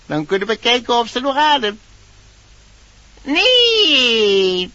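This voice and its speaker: Pompous high-pitched tomcat doctor. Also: male voice, wildly swooping pitch, pushed and bright, dry recording, dull audio, full character voice. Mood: grave, clinical. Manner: pompous, slow formal declamation. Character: learned male tomcat doctor, solemn and self-important. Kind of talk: theatrical Dutch fairy-tale radio play.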